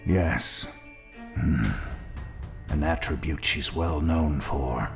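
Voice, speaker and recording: A man plays a dutiful manor attendant in an audio drama. His voice is very low, and he speaks with formal, measured, dry understatement over clearly audible music. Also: full character voice. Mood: dry, guarded.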